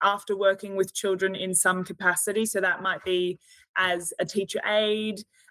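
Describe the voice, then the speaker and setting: Her tone is bright and sharp as this woman speaks at a moderate pace. The sound is dry and close, with no echo. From Australia, Brisbane. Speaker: head of operations at a children's mental health charity. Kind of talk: podcast interview.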